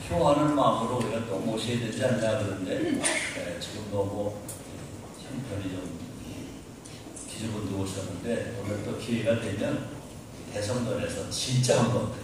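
Older pastor booming through an echoey hall. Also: male voice, moderate pace. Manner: animated preaching, lists points with rising emphasis. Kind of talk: welcome speech to a church congregation. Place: large church hall with seated congregation. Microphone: podium mic, recorded from the audience by a far camera. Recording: distant, very echoey hall with audience noise.

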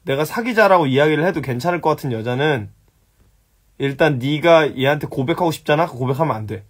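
A man's voice: a little high, lively intonation, fairly quick, husky. A young man hosting a casual live stream, answering viewer questions bluntly, teasing and swearing at them. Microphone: phone.

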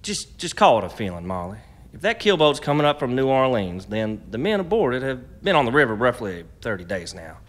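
Man playing stubborn river trader, medium pitch, animated range, terse folksy talk, wary, radio drama. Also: brisk, close to an everyday voice. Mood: wary, protective. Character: wary, stubborn, protective riverside stand keeper. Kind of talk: period radio drama acting.

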